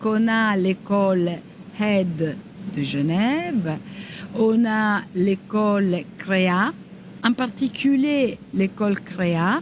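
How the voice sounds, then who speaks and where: A woman with an Italian accent speaks very slowly in a somewhat breathy voice, her loudness very even, her pitch variation ordinary, with long, frequent pauses. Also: medium pitch for a woman. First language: Italian (speaking French). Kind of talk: interview monologue. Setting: trade fair. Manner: hesitant, many fillers.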